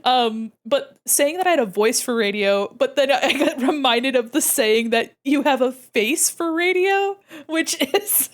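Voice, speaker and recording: A young woman streaming her drawing live, chatting playfully with viewers and giggling often. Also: a little high. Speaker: VTuber art streamer. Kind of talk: casual live-stream chat while drawing.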